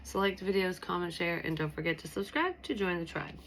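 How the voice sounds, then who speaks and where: A woman's voice: lowish voice, lively intonation, a little fast, a bit bright, a little hiss or hum, poor audio. A woman giving a casual tarot reading to her viewers, sounding stuffy and nasal from allergies, rambling with lots of fillers. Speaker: tarot reader.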